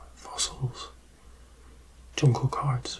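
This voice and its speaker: Noticeable background noise accompanies a soft-spoken man talking at a fairly slow pace. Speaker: ASMR creator. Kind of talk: ASMR pack opening, casual talk to camera. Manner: soft-spoken, slow.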